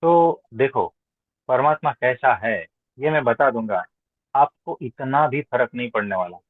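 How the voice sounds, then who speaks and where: A man's voice: mid-range voice, unhurried. Man giving spiritual teaching, thin echoey sound. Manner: didactic, emphatic repetition, rhetorical questions. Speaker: spiritual teacher answering seekers' questions. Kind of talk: informal spiritual discourse, question and answer. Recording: roomy echo, thin phone-like sound.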